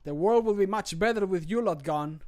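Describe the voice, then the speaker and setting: A spirited adventurer companion from a video game, acted by a man. The pitch is pushed up high, and the delivery is theatrical and sardonic. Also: normal speed, darkish tone, close to an everyday voice. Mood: battle scorn. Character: spirited adventurer companion exploring caves and battling.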